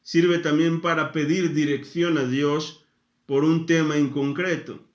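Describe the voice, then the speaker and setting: A man preaching a sermon, speaking in short phrases with frequent pauses. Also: on the high side, little pitch movement, reverberant, highs cut off. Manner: slow, deliberate, pausing after short phrases. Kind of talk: sermon teaching.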